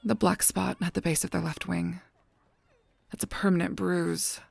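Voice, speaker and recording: A woman playing a gentle, guarded guardian angel in a scripted audio roleplay, speaking softly and breathily in a measured, halting, solemn way. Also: lowish voice, level tone, no room sound. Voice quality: soft, breathy, often near a whisper.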